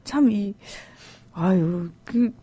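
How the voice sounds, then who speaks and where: A woman hosting a radio talk show interview, chatty and quick to laugh. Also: mid-range voice, husky, no echo. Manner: lively, chatty, laughs often. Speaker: host.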